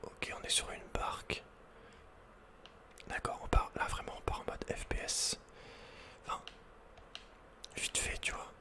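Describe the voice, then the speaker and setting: A man whispering in a soft, breathy, unvoiced voice as he gives casual ASMR commentary on a video game, with slangy asides. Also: measured pace, long pauses. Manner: casual, murmured running reactions with slangy asides. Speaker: ASMR gaming video host.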